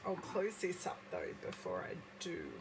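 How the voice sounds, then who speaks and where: An Australian woman with a slight croak in her voice, chatting casually with viewers during a live craft demonstration at home. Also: lowish voice, huge pitch swings, unhurried, very noisy. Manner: chatty, greets viewers by name. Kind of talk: casual live-stream craft demo chat. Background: movie playing in background.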